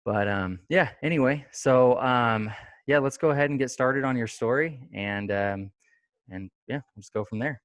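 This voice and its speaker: A man's voice: mid-range voice, normal speed, dry recording. A man hosting a casual interview podcast, rambling with lots of fillers and restarts. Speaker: podcast host.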